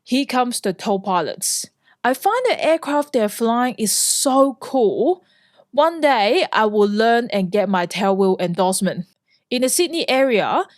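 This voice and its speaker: Earnest woman flight instructor, higher voice. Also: dry recording, studio quality. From Hong Kong. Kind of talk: scripted vlog narration.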